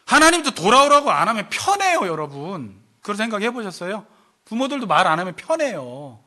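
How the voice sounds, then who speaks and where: A male pastor preaching in a church with a very high, bright and sharp voice. He talks animatedly and acts out the voices he quotes. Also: very animated, fairly quick. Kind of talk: sermon. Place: church sanctuary.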